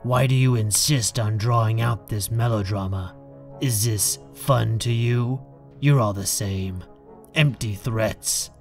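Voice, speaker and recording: A man's voice: on the low side, slow pace, faint music behind. A man playing a cold, proud, defiant hero in an audio drama, speaking with curt, controlled contempt. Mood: contemptuous. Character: cold, proud, defiant man guarding his younger brother. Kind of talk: fan audio drama acting.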